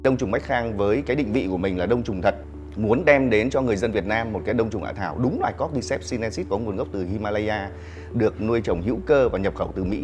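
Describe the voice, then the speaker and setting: A man's voice: on the low side, fast talker, a little mellow. A man in his forties speaking as a company spokesman in a promotional interview. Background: music.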